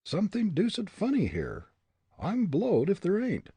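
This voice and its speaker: A man's voice: high voice, huge pitch swings, a little slow, vocal fry, dark tone, husky, dry recording, pitched above the performer's own voice, full character voice. A man voicing a defiant, scornful young male prisoner, speaking proudly. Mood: wry.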